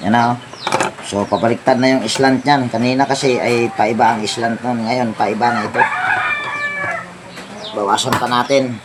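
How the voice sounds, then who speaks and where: A man's voice: mid-range voice, fairly even intonation, normal speed, pauses often, very noisy. A man giving a casual step-by-step appliance repair tutorial, thinking aloud to himself as he works. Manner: talks to himself while working, thinking aloud. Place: outdoor home service job with roosters and birds nearby.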